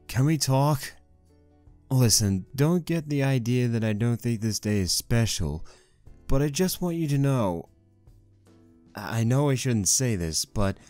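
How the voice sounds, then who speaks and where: A man voicing a gentle, apologetic, devoted pony husband, hesitant and earnest, in a fan fiction audio drama. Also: mid-range voice, no room sound.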